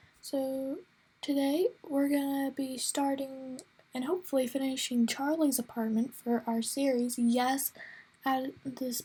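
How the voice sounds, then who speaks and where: A quiet woman with a high pitch and a dark, mellow tone, speaking fairly slowly with fairly even intonation. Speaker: gaming YouTuber. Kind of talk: casual gameplay commentary. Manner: quiet, hushed.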